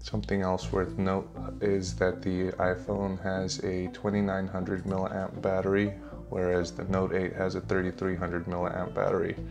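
With music playing in the background, a man speaks at a fairly slow pace in a very deep, low voice. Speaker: tech reviewer. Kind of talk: commentary. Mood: calm, informative.

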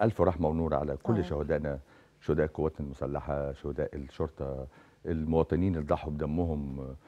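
This man's very deep, low voice moves at a fairly quick pace with fairly even intonation. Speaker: guest. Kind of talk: interview answer. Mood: earnest, patriotic. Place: studio. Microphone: lapel.

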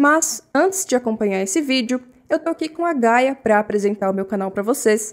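A woman at a fairly quick pace, her intonation lively, against a quiet background. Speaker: true crime channel host. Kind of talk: channel intro to camera. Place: home room. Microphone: studio mic.

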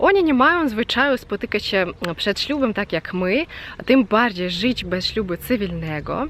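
In a Russian accent, a woman talks at a moderate pace with a fairly high pitch. Her pitch swings very widely. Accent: Russian accent in Polish. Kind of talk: casual talk to camera.

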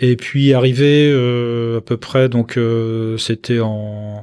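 A dark, mellow tone in a monotone, flat intonation, in a very clean recording with a silent background. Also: man. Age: 50s. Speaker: entrepreneur. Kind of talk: interview.

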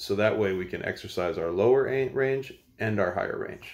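This is an unremarkable speaking voice. A man talks with a fairly low pitch and ordinary pitch variation. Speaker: vocal coach. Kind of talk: tutorial. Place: home room. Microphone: phone near.

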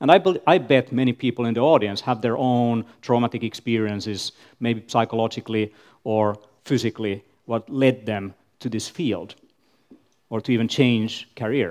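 A man at medium pitch with a Finnish accent, moderate pace and ordinary pitch variation, over a quiet background. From Finland. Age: 30s. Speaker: conference speaker, author. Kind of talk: conference talk. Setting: stage with audience. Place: hall. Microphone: headset.

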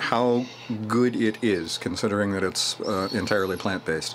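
A man talks at a fairly quick pace. Light background noise sits behind him. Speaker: home cook reviewer. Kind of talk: casual vlog chat, food review. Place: kitchen. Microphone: phone near.

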